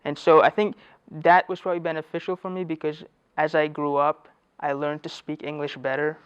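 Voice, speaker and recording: A man's voice: fairly high pitch, level tone, a little fast, clear, resonant tone. A man from Afghanistan, a native Dari speaker, talking in an interview about growing up, hesitant with frequent restarts and self-corrections. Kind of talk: reflective personal storytelling. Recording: dull lo-fi audio.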